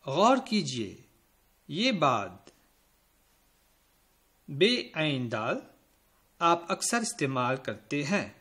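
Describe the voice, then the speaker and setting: A man teaching a school lesson to children, speaking slowly and spelling out words letter by letter as he addresses the pupils directly. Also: on the high side, a bit bright, breathy edge. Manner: slow, careful spelling out of letters.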